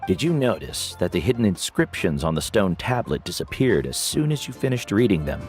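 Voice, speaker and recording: An actor playing a wise older male tribal guide in a video game, kindly, measured and earnest in his explanations. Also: deep voice, very animated, darkish tone. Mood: earnest, instructive. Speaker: mentor. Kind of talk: scripted game dialogue. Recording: background music under the dialogue.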